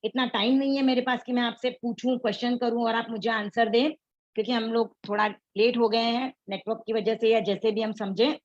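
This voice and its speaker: A woman's voice: on the high side, little pitch movement, brisk, lo-fi sound. A woman teaching an online class on pronunciation, explaining patiently and mixing English words into her Hindi.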